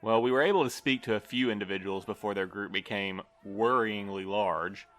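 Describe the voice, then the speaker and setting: A formal male office manager played by an actor with a lowish voice. He is wordy and a little flustered, picking careful phrases in an audio drama. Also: a little fast, fairly bright tone, close to an everyday voice. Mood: worried, explanatory. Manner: formal, hedging, bureaucratic.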